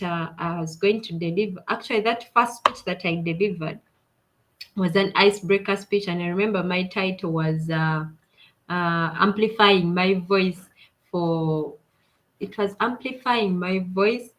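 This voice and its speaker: Woman, coach, earnest personal storyteller, animated, mid-range pitch. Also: poor audio. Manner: earnest, animated retelling with fillers and laughs. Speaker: coach and speaker.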